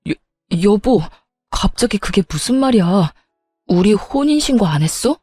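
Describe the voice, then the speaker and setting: A woman's voice: mid-range voice, animated, measured pace, dark tone, husky, no echo, clean studio sound, soft background music. A woman voicing a pleading young husband who begs in a desperate, whiny way. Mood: shocked. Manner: begging, whiny.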